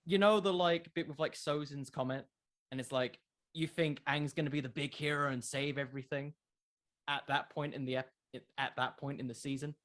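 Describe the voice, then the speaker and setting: A man's voice: a little high, steady tone, normal speed, a bit bright. Earnest man explaining in casual interview chat. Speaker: podcast creator, interview guest.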